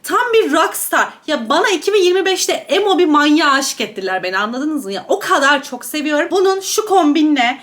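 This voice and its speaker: Young woman, high voice, chatty and gossipy, eating while she talks, casual vlog. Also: sing-song, brisk, few pauses, fairly bright tone. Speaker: beauty and gossip YouTuber. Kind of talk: casual mukbang chat reviewing celebrity outfits.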